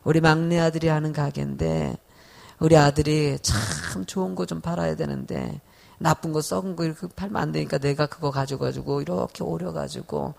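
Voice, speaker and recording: An elderly grandmother murmurs in a quiet, confiding way, voiced by a man in the middle of a sermon. Her voice sits high with a gravelly edge. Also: steady tone, moderate pace. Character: elderly grandmother sneaking bad fruit.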